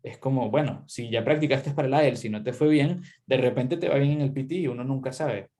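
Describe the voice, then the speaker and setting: A man's voice: medium pitch, brisk. A young adult man, an English teacher, giving casual conversational advice in an interview, with frequent fillers. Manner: relaxed, conversational, uses many fillers.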